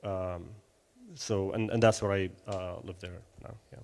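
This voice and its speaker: A man's voice: low-pitched, fairly even intonation, unhurried, vocal fry, a little mellow. A man from Syria in his thirties, a filmmaker guest answering questions in a live interview, hesitant with many fillers and restarts.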